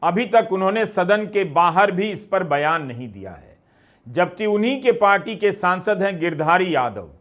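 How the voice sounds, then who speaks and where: Man presenting measured news commentary. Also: sits high, a bit bright. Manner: measured, questioning delivery.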